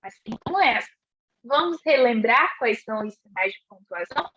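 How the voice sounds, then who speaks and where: A woman teacher explaining a class lesson slowly and clearly, asking rhetorical questions. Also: on the high side, expressive, fairly bright tone. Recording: dull lo-fi recording.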